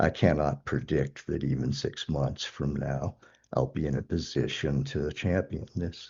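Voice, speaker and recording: With vocal fry and fairly even intonation, a man talks at a fairly slow pace in a very deep, low voice. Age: 70s. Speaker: software developer. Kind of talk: technical meeting discussion. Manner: halting.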